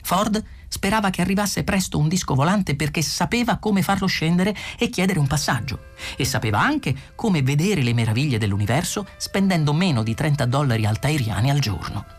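An audiobook narrator with a mid-pitched, slightly husky voice reads a comic novel. The delivery swings widely up and down, lively and expressive throughout. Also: normal speed, faint music behind.

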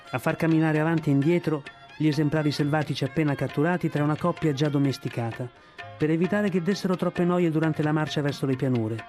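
A man reading a novel aloud in steady, measured narration. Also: on the high side. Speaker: reader.

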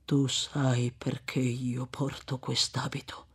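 A woman reading aloud and voicing a stern old male friar who rebukes sharply at times and turns slow and grave at others. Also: fairly low pitch, slightly rough, full character voice. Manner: stern scolding, rising to cries, then slow and hushed.

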